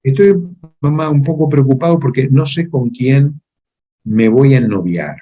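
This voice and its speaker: A man's voice: mid-range voice, moderate pace, mellow, muffled recording, natural voice. A man quoting a worried eight-year-old boy in an anecdote during a talk. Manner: anxious, hesitant.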